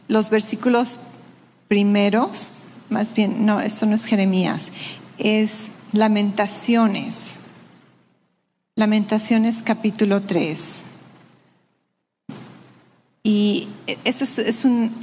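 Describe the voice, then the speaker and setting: Predicadora de voz aguda en sala resonante. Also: female voice, on the high side, long reverb tail, slight background noise. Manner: conversational preaching with rhetorical questions. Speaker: pastor. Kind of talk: sermon. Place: church hall.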